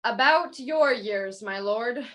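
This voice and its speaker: A woman's voice: a little high, animated, slow pace, fairly bright tone. A young page boy played by a woman answers in classical stage verse, guarded and secretly in love. The voice is youthful and the manner wistful, recorded at home over a video call. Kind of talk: classical Shakespearean stage acting.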